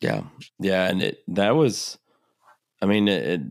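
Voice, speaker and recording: A man in his thirties co-hosting a podcast, talking casually and getting animated when he makes a point. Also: sits low, measured pace, gravelly, no room sound, clean studio sound. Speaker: podcast co-host.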